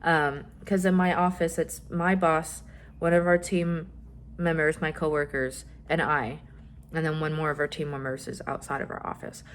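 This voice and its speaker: A young trans man chatting casually in a vlog, rambling with lots of fillers and some swearing, his voice rising when he gets excited. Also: moderate pace, a little hiss or hum. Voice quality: voice still fairly high, rising when excited. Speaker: vlogger.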